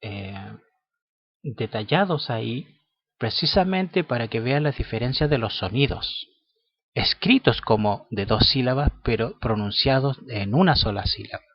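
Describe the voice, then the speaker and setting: Male teacher, patient explainer, slow delivery, dry muffled recording. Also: mid-range voice, expressive, breathy edge, no echo. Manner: slow, patient, checks in with "¿cierto?" and "¿ya?". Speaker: English teacher. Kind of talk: lesson explanation.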